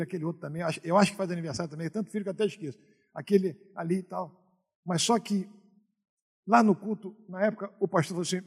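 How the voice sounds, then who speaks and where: A middle-aged Brazilian man preaching a sermon as a pastor, telling stories and moving from quiet asides to loud exhortation. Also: sits high, breathy edge, big-room sound. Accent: Brazilian Portuguese.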